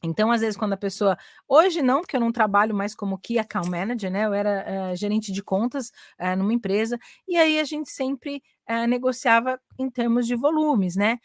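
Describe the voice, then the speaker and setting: A woman's voice: fairly high pitch, a little fast, no room sound, clean studio sound. Chatty Brazilian woman teaching English. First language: Brazilian Portuguese. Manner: chatty, mixes Portuguese and English, frequent "né?" and "ok?". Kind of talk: casual bilingual English lesson.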